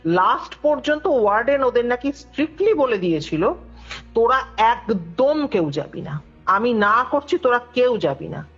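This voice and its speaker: On a muffled, low-fidelity call with music in the background, a guest recounts a ghost story in a husky voice on the high side at a moderate pace. She keeps it conversational and lively, voicing the dialogue herself.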